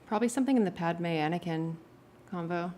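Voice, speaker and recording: A woman's voice: lowish voice, fast, mellow, a little hiss or hum. A woman in casual working talk, a musician helping to prepare music cues. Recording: echoey room with music playing.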